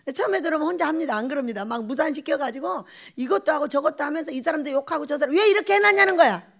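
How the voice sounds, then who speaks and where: Woman pastor, sermon, high voice, gravelly edge, animated delivery, acts out voices. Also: rapid-fire. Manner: animated preaching, acts out quoted voices, laughs often.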